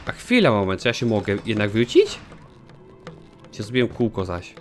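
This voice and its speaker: A man's voice: on the low side, moderate pace, faint music behind. A young man commenting casually on his own gameplay, joking and swearing at himself. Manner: animated, swears a lot, jokey self-talk. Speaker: gaming channel host. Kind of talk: let's play commentary.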